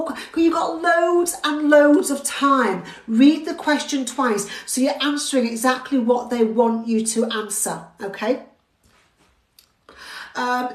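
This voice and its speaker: A woman's voice: high-pitched, roomy sound, rough recording. A British woman, a driving instructor, giving an upbeat live theory-test lesson and talking straight to her viewers. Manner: upbeat, talks straight to viewers, reads out comments. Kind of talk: live-streamed lesson, chatty and encouraging.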